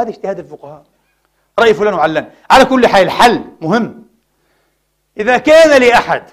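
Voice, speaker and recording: Fast impassioned high-voiced male preacher. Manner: impassioned, rhetorical questions to the congregation. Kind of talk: Friday sermon. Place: mosque.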